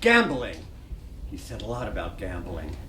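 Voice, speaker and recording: An actor in a dramatic play reading, playing a dutiful, starstruck hotel night clerk who muses and speaks with deference. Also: male voice, sits low, huge pitch swings, moderate pace. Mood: musing, dutiful. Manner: musing to himself, eager and deferential. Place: library reading room. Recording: distant echoey room, faint noise.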